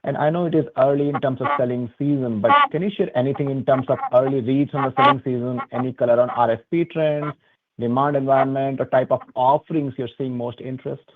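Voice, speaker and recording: A man's voice: medium pitch, steady tone, fast talker. A man working as a financial analyst, asking questions on an earnings call. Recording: dry, narrow phone-like call line.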